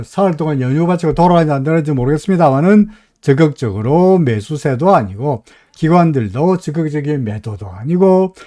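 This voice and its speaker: A man's voice: mid-range voice, warm tone, no echo, clean studio sound. Chatty man with a Gyeongsang accent. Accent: Gyeongsang Korean. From Gyeongsang region, Korea. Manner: chatty, folksy, asks "right?" often. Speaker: stock market analyst host. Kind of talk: live market commentary.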